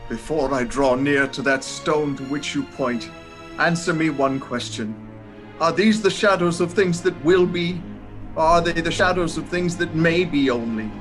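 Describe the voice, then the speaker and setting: Guy doing an old miser pleading his heart out, high voice, theatrical radio play, music behind. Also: measured pace, close to an everyday voice. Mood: anxious questioning. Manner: imploring, emotional, theatrical. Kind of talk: theatrical radio drama acting.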